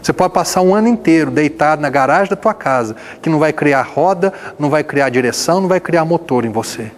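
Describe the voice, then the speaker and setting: A man preaching a sermon as pastor, firing rhetorical questions and swinging between loud emphasis and hushed passages. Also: a little high, expressive, quick pace.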